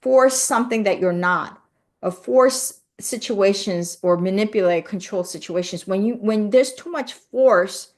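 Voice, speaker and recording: A woman's voice: mid-range voice, measured pace. A middle-aged woman, born in South Korea and raised in the US, hosts a live stream in casual, earnest chat. She reads out viewer comments and often adds "you know" and "right?". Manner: lively when thanking viewers.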